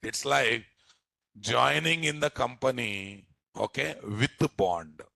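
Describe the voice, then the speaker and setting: This programming teacher, a man with a Telugu Indian accent, keeps his informal technical lecture interactive by often asking rhetorical questions to check understanding. He speaks slowly in a creaky, sharp, medium-pitched voice with lively intonation, and the recording is dry.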